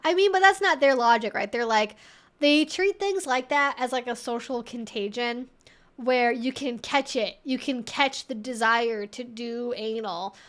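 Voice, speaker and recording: A woman's voice: fairly high pitch, unhurried, a bit bright. A woman hosting a livestream, chattily and informally reading and answering viewer comments.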